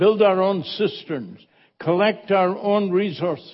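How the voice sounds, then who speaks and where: The speaker has a Scottish accent. The delivery is fairly slow. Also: man. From Scotland. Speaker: pastor. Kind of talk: sermon. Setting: church.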